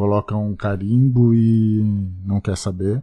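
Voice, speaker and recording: Against a quiet background, a man speaks with a fairly low pitch and fairly even intonation. His tone is dark and mellow, and somewhat breathy. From Santa Catarina, Brazil (Rio do Sul). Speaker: journalist and newspaper columnist. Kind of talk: casual interview. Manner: halting, many repetitions and fillers.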